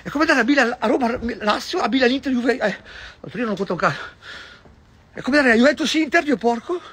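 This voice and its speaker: A man, vlogging outdoors on a city street, agitated and swearing constantly, repeating himself with bursts of shouting. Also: very high voice, expressive, quick pace, husky. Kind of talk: ranting street vlog.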